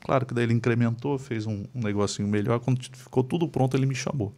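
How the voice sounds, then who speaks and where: A man, a pastor and podcast guest, telling an animated anecdote in casual conversation. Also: medium pitch, fast. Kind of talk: casual chat, storytelling.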